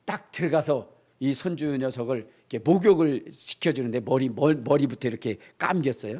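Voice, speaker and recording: An older male pastor preaching a sermon, telling a homely story and then building up to shouted appeals. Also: mid-range voice, a little fast. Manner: animated, swings from quiet storytelling to shouting.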